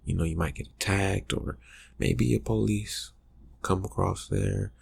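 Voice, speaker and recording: A man plays a vampire quietly threatening a friend in an ASMR roleplay. The voice is low and heavily creaky, with a breathy, husky edge. The delivery is soft, halting and insinuating, keeping the menace calm. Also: full character voice. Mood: quietly suspicious.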